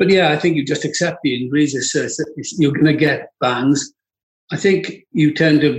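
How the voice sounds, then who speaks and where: A man with a fairly high, somewhat breathy voice speaks at a moderate pace. His speech has long, frequent pauses. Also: ordinary pitch variation. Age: 60s. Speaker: former rugby player and business director. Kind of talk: casual interview conversation. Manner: relaxed, chatty, laughs often.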